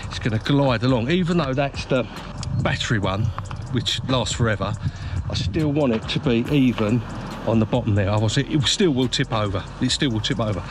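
A man filming himself outdoors at a lakeside car park, chatting to camera and explaining his kit step by step with frequent restarts. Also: medium pitch. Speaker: fishing vlogger. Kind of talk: casual vlog talk to camera. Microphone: handheld action camera at arm's length. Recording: outdoor camera audio with clear background noise.

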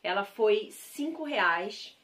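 A Brazilian vlogger chats to the camera about her thrift-shop haul, gushing over her finds, repeating words of praise and talking directly to viewers. Her mid-range voice is animated and a bit bright, and she takes her time.

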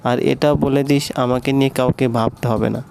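A man's voice: mid-range voice, fairly even intonation, normal speed, creaky, heavy background noise, natural voice. A man voicing a stubborn young college girl who answers back in petulant retorts in a storybook reading. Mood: sulky.

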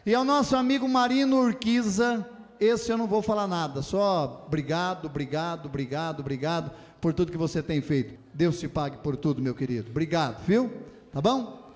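A man's voice: fairly high pitch, normal speed. A middle-aged Brazilian man, a country singer, giving a grateful, emphatic thank-you speech from a stage. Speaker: singer-guitarist in a country music duo. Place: stage at a country music event. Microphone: vocal microphone on a stand. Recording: reverberant stage PA sound.

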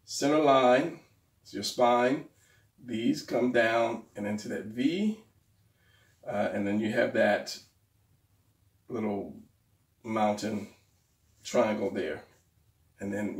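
A man teaching how to draw the torso as he sketches. His voice is going hoarse, and he trails off and mutters while he works. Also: medium pitch. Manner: talks while drawing, trailing off and muttering to himself. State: losing his voice. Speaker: art instructor. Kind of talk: drawing tutorial while sketching. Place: indoors at a desk. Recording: roomy, slightly distant mic.

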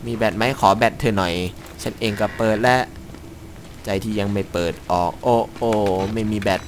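Swearing, jumpy young man playing horror. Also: medium pitch. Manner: crude and jokey, yelling and cursing when startled. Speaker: gaming YouTuber. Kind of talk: horror game let's play commentary. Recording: faint background noise.

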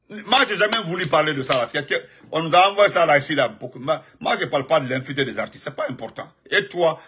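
A man delivering a heated, mocking political monologue, given to sudden high outbursts and laughter. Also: pushed and bright, slightly rough. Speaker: political commentator. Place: United States.

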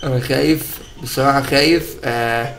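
A young man with an Egyptian accent commentating gameplay, chatty and excitable, laughing often and talking to his viewers. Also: medium pitch, moderate pace, gravelly. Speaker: gaming streamer.

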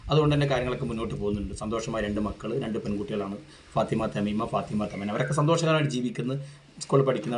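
A man's voice: medium pitch, slight background noise. A middle-aged man, giving an earnest, rambling product testimonial.

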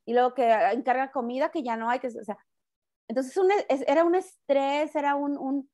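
Woman, Mexican accent, middle-aged, high voice, loud, casual chat, restarts often. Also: steady tone, normal speed. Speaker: guest mother on a radio talk show.

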